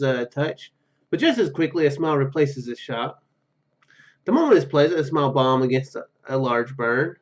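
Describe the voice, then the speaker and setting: Higher-pitched man reading a game aloud, dull sound. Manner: stumbles over words while reading. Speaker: gaming video host. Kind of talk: let's play, reading story narration aloud with casual comments.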